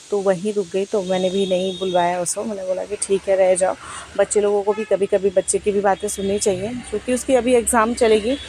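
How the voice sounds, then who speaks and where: A woman in her thirties, a vlogger, doing a chatty, rambling voice-over for her vlog, talking quickly. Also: mid-range voice, darkish tone, a little hiss or hum, low-quality recording. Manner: chatty, rambling, talks fast.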